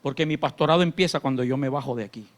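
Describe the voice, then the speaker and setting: A man pastor, preaching a sermon in church. His delivery swings between shouted fervor and quiet, confiding talk. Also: medium pitch, rapid-fire. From Colombia. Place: church sanctuary.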